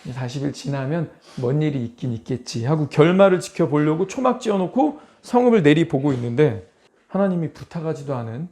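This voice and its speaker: A male pastor preaching a sermon, telling the story in a lively way and acting out the voices of the people in it. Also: a little high.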